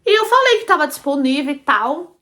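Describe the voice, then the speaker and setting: A woman's voice: high voice, sing-song, brisk, pushed and bright. A Brazilian woman telling her own story in a casual, chatty way, often calling out to her listeners and repeating phrases for emphasis. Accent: Brazilian Portuguese. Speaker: storytelling channel host. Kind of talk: casual first-person storytelling.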